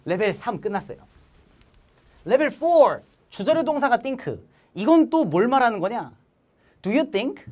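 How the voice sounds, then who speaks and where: A woman giving a lively online grammar lesson, teaching in an animated, playful way with sing-song cues to her students. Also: fairly high pitch, unhurried, pauses often.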